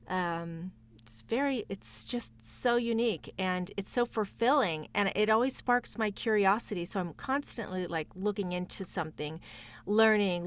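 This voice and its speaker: A woman's voice: mid-range voice, smooth. A woman speaking as a guest voice actor in a casual interview, enthusiastic and reflective.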